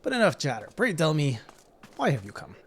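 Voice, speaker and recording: A man's voice: a little high, wildly swooping pitch, fairly quick, a bit bright, husky, full character voice. A man reading aloud the lines of a courteous noble knight commander, with formal, old-fashioned phrasing.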